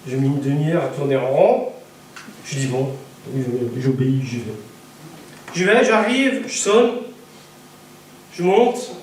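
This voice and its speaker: A man preaching a sermon in a church, telling a personal story in an animated way and acting out the voices of the people in it. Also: medium pitch, a little slow, pauses often, slight background noise. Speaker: evangelist preacher. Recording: echoey church hall from a distant mic.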